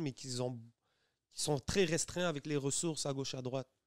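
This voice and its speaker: Over a quiet background, a man talks at a very fast pace in a dry sound with no echo. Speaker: podcast host. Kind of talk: casual chat. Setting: studio. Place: studio. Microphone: studio mic.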